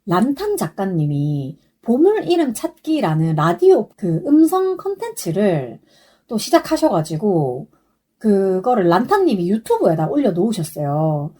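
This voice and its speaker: A woman's voice: mid-range voice, huge pitch swings, unhurried, warm tone, slightly rough. A young adult woman hosting a podcast, chatting casually and rambling with many fillers. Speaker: podcast host. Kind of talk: casual solo podcast chat.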